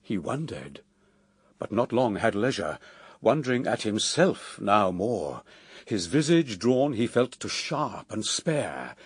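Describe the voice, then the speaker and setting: Male narrator for epic radio verse: solemn, measured, widely swinging intonation, close dry sound. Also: mid-range voice, slightly rough, dry recording. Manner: solemn, measured, theatrical phrasing with weighty pauses.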